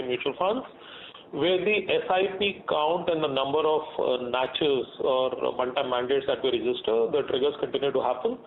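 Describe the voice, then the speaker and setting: A man with an Indian accent explaining business matters as a company executive on an earnings call. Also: a little high. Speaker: company executive answering investor questions. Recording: muffled phone-like conference line with faint noise.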